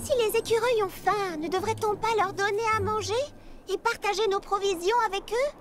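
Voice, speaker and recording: A woman's voice: very high voice, fairly even intonation, a little fast. A woman playing a cheerful, kind-hearted little girl who leads her friends in a children's cartoon dub. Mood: earnest.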